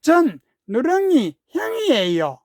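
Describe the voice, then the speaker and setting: A man's voice: very high-pitched, sing-song, takes it slowly, darkish tone, no room sound, studio quality, pitched above the performer's own voice, full character voice. A man voicing an eager pleading young boy. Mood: shouting. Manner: pleading, insistent. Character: eager young boy who loves a calf.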